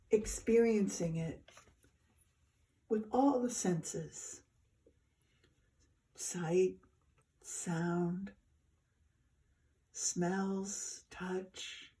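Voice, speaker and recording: A woman teaches yoga nidra with a voice on the low side, offering soft, soothing meditation guidance in short phrases separated by pauses.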